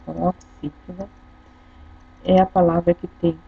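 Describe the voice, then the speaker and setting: A woman's voice: on the low side, flat delivery, moderate pace, creaky, husky, no room sound. A woman teacher with a Brazilian Portuguese accent, patiently explaining a lesson step by step and often checking in with her pupils. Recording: dull lo-fi recording.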